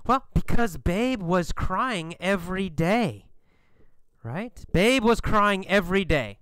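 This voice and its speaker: With an expressive, slow, mid-range voice that is fairly bright, clear and resonant, an English teacher turns a story into a question-and-answer drill. Each point gets repeated questions and emphatic, exaggerated answers, recorded studio-clean with no echo.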